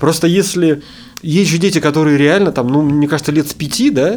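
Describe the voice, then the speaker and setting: Noticeable background noise behind a man's fairly high voice, moderate in pace, with ordinary pitch variation and very even loudness. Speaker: videographer. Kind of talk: casual chat. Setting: studio.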